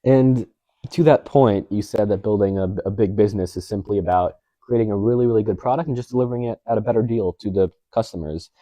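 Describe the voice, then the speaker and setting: Male interviewer, quick, wordy questions, slightly low voice, dry sound. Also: mellow, no echo. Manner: long, wordy questions full of setup.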